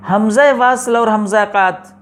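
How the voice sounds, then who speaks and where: A man teaching the rules of Quran recitation in a classroom lecture, explaining slowly and deliberately, repeating his points and asking rhetorical questions. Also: high-pitched, fairly even intonation. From Pakistan.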